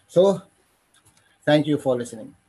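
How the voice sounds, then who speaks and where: A man speaking as a panelist on an online call, slow and earnest, in broken phrases. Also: on the high side, animated, warm tone, breathy edge. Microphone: video call.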